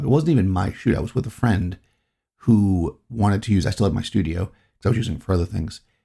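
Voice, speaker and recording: A man's dark, mellow, somewhat breathy voice at a very fast pace with ordinary pitch variation, in a very clean recording with a silent background. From New England. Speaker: podcast host and photographer. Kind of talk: solo podcast monologue. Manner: casual, conversational with fillers.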